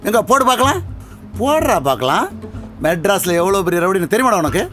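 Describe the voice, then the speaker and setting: An actor playing a menacing, domineering rowdy boss in a Tamil film, bullying in Madras street slang. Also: male voice, high voice, very animated, quick pace, a bit bright, faint music behind. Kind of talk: film dialogue acting.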